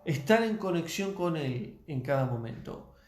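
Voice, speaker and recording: Slow, emphatic male preacher in an echoey room. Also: a little high, animated, darkish tone, soft background music. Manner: measured, emphatic preaching with repeated phrases. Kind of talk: sermon.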